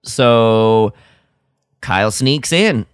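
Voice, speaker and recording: A man's voice: mid-range voice, expressive, very slow, clear, resonant tone, dry recording, studio quality. A man co-hosting a podcast, giving a casual, jokey recap of a story and slipping into mock dialogue. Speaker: podcast co-host.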